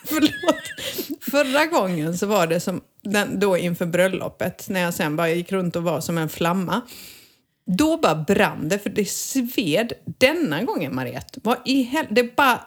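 A woman co-hosting a podcast, telling stories in a dramatic, animated way and laughing often. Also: medium pitch. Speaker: podcast co-host. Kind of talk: casual chat.

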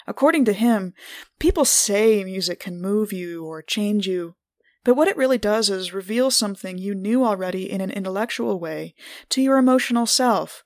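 An introspective adventurer voiced by a woman recounts how she has changed, in a scripted first-person podcast monologue. Her mid-pitched voice is reflective and measured, pausing deliberately, and recorded very dry. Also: expressive, a little mellow, no room sound, natural voice. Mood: thoughtful, earnest. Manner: reflective, measured, literary phrasing with deliberate pauses.

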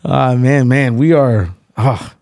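Laid-back male podcast host, mellow tone. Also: mid-range voice, slow, no room sound, clean studio sound. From born in the Bronx. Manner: easygoing, hype-filled, slangy. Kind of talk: casual interview chat. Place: high-rise office.

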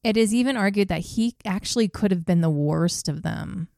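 A woman's voice: mid-range voice, normal speed, creaky, a little mellow, no room sound, studio quality. A woman co-hosting a podcast, telling a true crime case in a blunt, casual way with swearing. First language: English. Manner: blunt, swears, laughs at grim moments.

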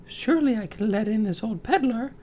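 A sweet, shy young princess from a storybook, speaking high and soft with a lilting, lively rise and fall, as a male narrator puts her on. Her voice is light and gentle, and she sounds a little hesitant. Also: a little fast, a little hiss or hum.

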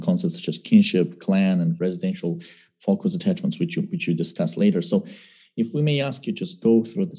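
Male host, very low, dark husky voice, hesitant formal questioning. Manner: hesitant, repeats words. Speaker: interview host.

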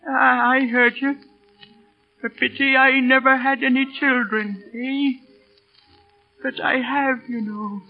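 An actor playing a very old, kindly British schoolmaster who talks in a slow, faltering, wistful way, in classic radio drama style. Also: male voice, very high voice, exaggerated voice. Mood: tender. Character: very old, kindly, absent-minded retired English schoolmaster. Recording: muffled old radio broadcast, music behind.

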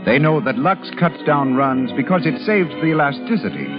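An old-time radio announcer, a man with a fairly high, very animated voice. He declaims scripted introductions formally, like a 1930s broadcast host. The sound is muffled and vintage, with music behind him. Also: moderate pace.

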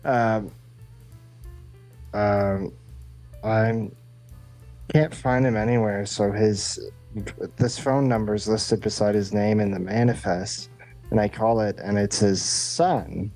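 A man's voice: on the low side, fairly even intonation, slow, long pauses, darkish tone, faint music behind. A man hosting a podcast, telling a rambling, casual comic story and acting out the dialogue. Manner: rambling, acts out quoted dialogue. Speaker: podcast host.

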